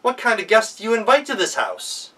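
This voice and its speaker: A man's voice: sits high, huge pitch swings, brisk, a bit bright, husky, far from the mic, pitched above the performer's own voice, heavily acted. A man voicing a sly, food-loving woman cook from a folktale, chatty and self-indulgent, with a hesitant, conspiratorial way of talking. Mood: feigned urgent alarm.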